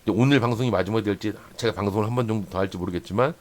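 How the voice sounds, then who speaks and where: Rapid-fire and lowish-voiced, a man teaches day traders on his stock trading channel by going through a chart, pointing with lots of "here" and "this much." He repeats phrases to stress points and asks "right?" again and again.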